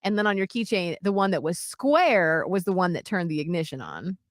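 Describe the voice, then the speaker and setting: A woman in her forties co-hosting a radio show, chatting casually and telling animated stories. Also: brisk, no echo, studio quality. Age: 40s. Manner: animated storyteller, jumps into high voices for quotes. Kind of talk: casual chat.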